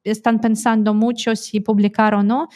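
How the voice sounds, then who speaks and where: A woman's voice: mid-range voice, flat delivery, moderate pace, a little mellow. A woman who speaks Spanish as a non-native language, being interviewed in a direct, earnest way with frequent hesitations. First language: not Spanish. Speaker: interview guest. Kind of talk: conversational interview.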